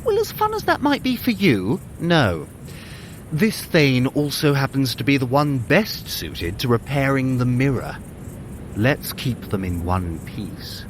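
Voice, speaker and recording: An actor playing a cocky, smooth-talking trickster god in an audio drama, with a sardonic, wordy and wheedling manner. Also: male voice, mid-range voice, sing-song, a little slow, a little hiss or hum. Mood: teasing.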